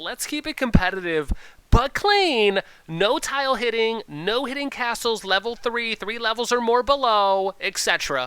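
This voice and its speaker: This is a put-on character voice that sounds female, pitched fairly high for a woman. The pace is moderate. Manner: sweet, cutesy.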